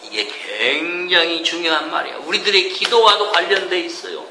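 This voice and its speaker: A man's voice: a little high, moderate pace, gravelly, noisy background. A man giving a sermon-style lecture to a congregation, folksy and emphatic, often asking the audience questions. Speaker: preacher teaching a course. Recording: echoey room with faint ambience.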